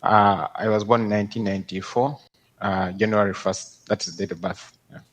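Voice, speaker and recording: A man's voice: lowish voice, steady tone, moderate pace. A man, originally from Darfur, giving careful, hesitant testimony to a court over a video call. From Sudan, Darfur. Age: 20s. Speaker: victim testifying.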